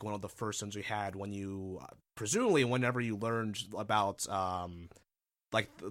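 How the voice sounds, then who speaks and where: A man hosting a podcast into a studio microphone, relaxed and halting with lots of ums. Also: fairly low pitch. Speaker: podcast host. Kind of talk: casual chat.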